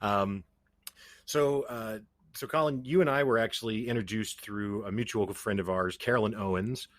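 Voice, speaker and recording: A man hosting a casual podcast interview, his voice fairly low and recorded dry and close. He eases into his questions with friendly hesitation, using many ums and restarting his sentences. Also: normal speed, dry recording. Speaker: podcast host.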